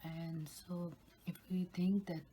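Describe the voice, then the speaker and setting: A woman hosting an ASMR eating video, talking in a soft, unvoiced whisper close to the microphone. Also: fairly low pitch, little pitch movement, slow, a little hiss or hum. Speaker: ASMR channel host.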